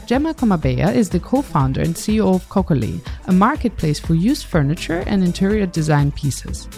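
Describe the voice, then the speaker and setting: A woman's voice: lowish voice, sing-song, brisk, gravelly, darkish tone, soft background music. A woman hosting a podcast, reading a scripted intro and then asking a guest questions in a studio. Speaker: podcast host. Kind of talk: podcast interview. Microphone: studio microphone.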